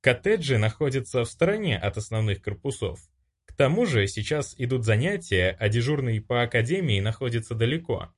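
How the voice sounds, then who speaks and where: A man's voice: medium pitch, very animated, a little fast, husky. A man voicing a stern young female noble student who speaks in a commanding way. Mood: thoughtful.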